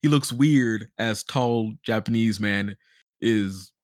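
A man's voice: lowish voice, takes it slowly, dry recording, clean studio sound. A young man co-hosting a podcast in casual chat, slangy and wry. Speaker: podcast co-host.

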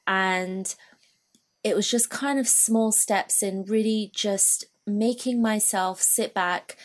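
A woman's voice: mid-range voice, slow. A woman who grew up in Thailand, talking at length as a guest artist in a casual video-call interview. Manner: rambling, self-described waffler.

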